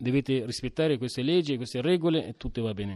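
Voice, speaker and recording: A man with a medium pitch and a dark, mellow tone is heard in a very clean recording with a silent background. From Turkish Kurdistan. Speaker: political refugee. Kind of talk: interview testimony. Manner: halting.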